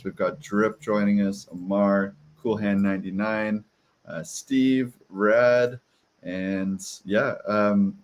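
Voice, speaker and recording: A man co-hosting a live podcast over a video call, giving breezy, upbeat announcements and shout-outs. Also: lowish voice. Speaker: podcast co-host and producer. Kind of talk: casual live-stream announcements.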